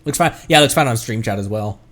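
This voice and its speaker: A man's voice: medium pitch, fast talker, background noise. A man who streams games as a VTuber, chatting casually and rambling as he thinks aloud. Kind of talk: casual livestream chat while gaming.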